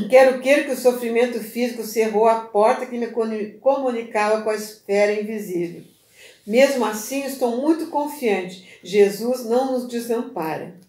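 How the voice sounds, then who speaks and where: A woman reading as a dying, gentle man. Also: on the high side, lightly acted. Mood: weary calm. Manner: soft, slow, breathy pleading. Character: dying middle-aged man, weak, gentle, faithful. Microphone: phone. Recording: echoey room on a phone.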